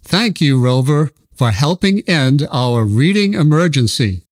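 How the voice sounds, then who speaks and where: A man's voice: fairly high pitch, expressive, a little slow. A man voicing a friendly male school principal who makes cheerful announcements in a storybook.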